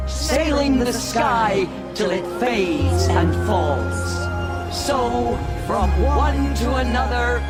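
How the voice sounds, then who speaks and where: An actress playing a kindly, solemn tribal holy woman who speaks slowly, gently and ceremonially. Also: on the high side. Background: game music.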